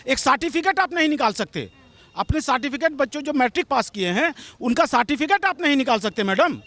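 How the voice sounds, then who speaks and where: In an extremely high, bright and forceful voice, a man brisk and expressive in delivery argues heatedly in a street interview. A local political supporter, he presses his demands and keeps calling the interviewer madam.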